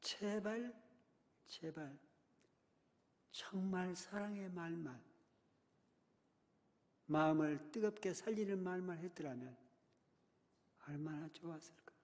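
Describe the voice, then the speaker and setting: Impassioned older man preaching in a hall. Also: high voice. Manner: impassioned, swings from hushed to loud. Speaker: guest speaker at a church revival. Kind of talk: sermon. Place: church sanctuary. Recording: long hall reverb.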